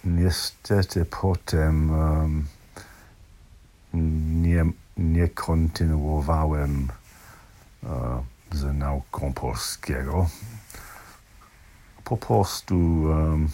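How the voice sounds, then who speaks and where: An older man in his sixties or beyond speaks Polish with an English accent, haltingly, with hesitations and repeated, broken-off words, as in a personal voice message. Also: very deep voice, fairly even intonation, mellow. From southern England. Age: 60s or older. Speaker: language learner sending a recorded message.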